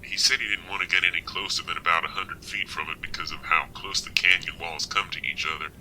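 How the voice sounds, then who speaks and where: A man playing a folksy, matter-of-fact forest service officer in an amateur audio drama, speaking in a measured way. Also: sits low, fairly even intonation, sharp tone, slight background noise, heavily acted, rough recording. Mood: concerned, businesslike.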